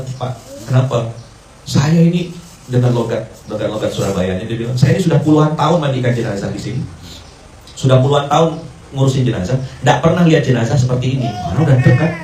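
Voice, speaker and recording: A man's voice: fairly high pitch, darkish tone, a little hiss or hum. A man preacher giving a conversational morning sermon, telling a story, acting out the quoted dialogue and mixing in Arabic and English phrases. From Indonesia. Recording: roomy, distant mic with faint ambience.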